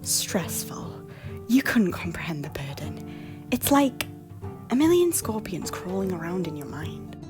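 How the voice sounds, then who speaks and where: A woman playing a guilt-ridden, wounded but proud deposed queen in an audio drama, hesitant and breathy, often dropping towards a whisper. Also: medium pitch, sing-song, unhurried. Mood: weary, wistful. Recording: music under the voice. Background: music.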